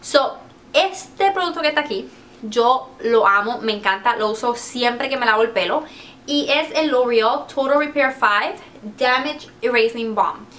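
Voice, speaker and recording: A woman's voice: fairly high pitch, a bit bright, a little hiss or hum. A woman chatting casually and a little self-consciously as a beauty vlogger, mixing English words into her Spanish. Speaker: beauty video host. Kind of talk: casual chatty product review.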